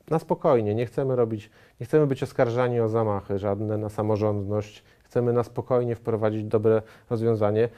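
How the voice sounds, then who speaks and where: A man in his thirties, a studio guest answering interview questions in a measured way, with frequent hesitations and restarts. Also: lowish voice, warm tone. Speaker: studio guest, member of parliament. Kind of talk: political TV interview. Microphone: lapel mic.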